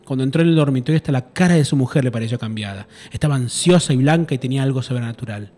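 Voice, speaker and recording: A male radio host narrates a horror story with measured, suspenseful pacing. His voice sits at an everyday middle pitch, steady and deliberate. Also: soft background music. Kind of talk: dramatic reading of a horror story.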